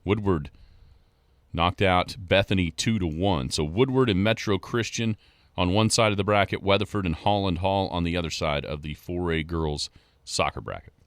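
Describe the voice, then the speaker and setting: A man's voice: sits low, moderate pace, dry recording. A man hosting a sports radio show, chatting in an easygoing, joking, rambling way as he runs through scores.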